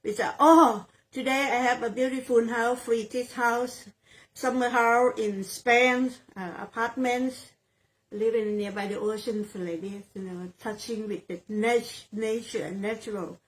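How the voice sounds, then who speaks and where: In a low-quality recording, a Thai woman in her sixties who works as a real estate agent answers interview questions. Her English is halting and Thai-accented, she repeats phrases while looking for words, and her voice is a little high with fairly even intonation.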